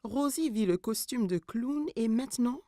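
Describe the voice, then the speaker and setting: A woman narrating a children's cartoon story in a gentle, expressive storytelling manner. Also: fairly high pitch, moderate pace, faint music behind, close to an everyday voice.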